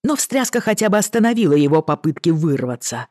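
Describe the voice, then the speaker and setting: An audiobook narrator reading a novel in a steady, even storytelling manner. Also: mid-range voice, fairly quick, no echo, studio quality. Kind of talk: scripted narration.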